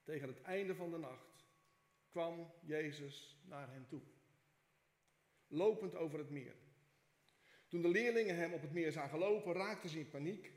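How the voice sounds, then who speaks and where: A pastor with a slightly higher-than-average voice preaches a sermon, reading scripture with lively expression before easing into a soft, halting prayer. A long reverb from the echoey church hall carries his words.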